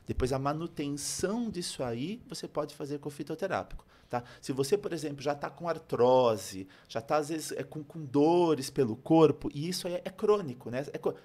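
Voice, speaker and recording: A Brazilian man with a slightly high-pitched voice talks as a guest expert on a podcast. He explains things in a didactic, conversational way, repeating phrases for emphasis and asking questions that he then answers. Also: expressive, normal speed, hardly any pauses, darkish tone. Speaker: guest pharmacist on a health podcast. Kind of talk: animated explanatory podcast talk.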